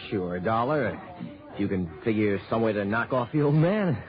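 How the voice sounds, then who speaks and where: An actor playing a shifty saloon keeper who talks tough, in a 1960s radio drama. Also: male voice, fairly low pitch, expressive, moderate pace, highs cut off, faint music behind, natural voice. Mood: sneering. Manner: sneering, tough-talking.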